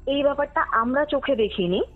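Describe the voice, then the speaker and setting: As a podcast guest, a young woman from West Bengal, India, describes her true ghost encounter in a high-pitched voice that runs a little fast. She speaks casually, using some English words and checking that her listener is following, and the call sounds tinny with background music underneath.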